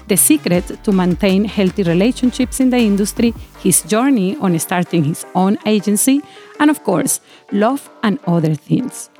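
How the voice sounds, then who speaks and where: A woman's voice: mid-range voice, mellow. Woman hosting a podcast. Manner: chatty, laughs often, non-native phrasing. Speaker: podcast host. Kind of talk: casual interview.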